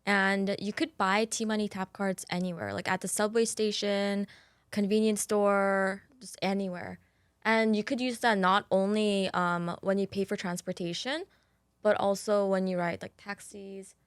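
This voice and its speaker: A woman's voice: medium pitch, steady tone, unhurried, clear, resonant tone, dry recording. A woman on a podcast explaining things casually, with many likes and ums.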